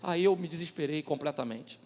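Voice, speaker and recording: A man, a pastor giving a testimony at a church service, telling his story emphatically with loud outbursts and hushed asides. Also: fairly high pitch, fairly quick, big-room sound.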